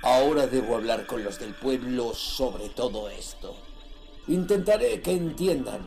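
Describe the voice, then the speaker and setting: An actor from playing a ruthless sea trader, narrating his grim confession slowly and gravely in a horror audio drama. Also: medium pitch, expressive, darkish tone, faint music behind. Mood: grim resolve. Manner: slow, grave, dramatic delivery.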